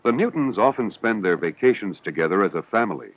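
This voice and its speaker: A man with a low voice and lively intonation delivers formal, measured narration for a 1970s educational film. The soundtrack is dull, with a slight hiss. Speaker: documentary narrator.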